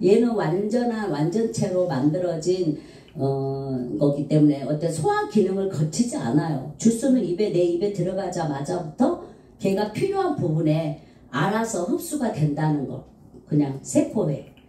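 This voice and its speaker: The voice moves at a fairly slow pace with very wide pitch swings, and audible room echo surrounds it. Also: woman, fairly low pitch for a woman. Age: 60s. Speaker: sales seminar speaker. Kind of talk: sales seminar talk. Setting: seminar with audience. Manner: conversational, casual.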